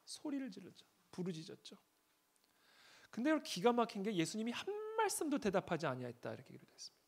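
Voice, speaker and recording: Man, pastor, high voice, gravelly, sermon delivery, hushed then shouting. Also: huge pitch swings, fast. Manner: swings from hushed asides to shouted scripture readings.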